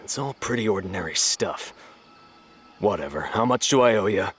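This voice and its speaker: A man playing a surly, defiant black-market buyer in a video game, gruff and argumentative with casual slang. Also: fairly low pitch, animated, moderate pace, a bit bright, soft background music. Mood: grumbling.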